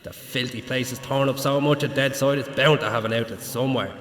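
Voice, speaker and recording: A man's voice: mid-range voice, steady tone, brisk, a bit bright, natural voice. A man voicing an irreverent, sardonic guide of the underworld in a video game, teasing and theatrical. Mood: mocking, teasing. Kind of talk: video game character acting. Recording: echoey, long hall reverb.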